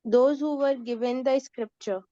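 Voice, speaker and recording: A woman student whose first language is Urdu, with a South Asian accent, answers her teacher hesitantly and keeps apologizing. Her voice sits a bit high. The video-call audio sounds dull and dry. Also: steady tone, measured pace, mellow, dry recording. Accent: South Asian English.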